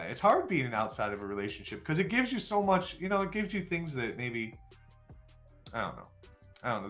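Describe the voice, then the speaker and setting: Candid, rambling man in his forties, low-voiced. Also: sharp tone. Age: 40s. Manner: candid, rambling and self-deprecating, with frequent fillers. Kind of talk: casual chat with viewers.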